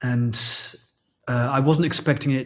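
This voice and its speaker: Somewhat breathy tones from a man, with fairly even intonation. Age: 40s. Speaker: sobriety YouTuber. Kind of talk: livestream talk. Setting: livestream. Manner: casual, hesitant with false starts.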